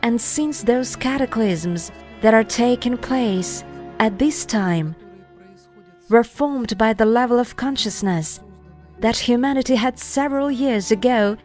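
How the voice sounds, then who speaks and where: Female narrator for spiritual video: very slow, deliberate scripted read, soft music bed behind. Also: a little high. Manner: measured, deliberate, phrase-by-phrase reading with pauses. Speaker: narrator reading an article.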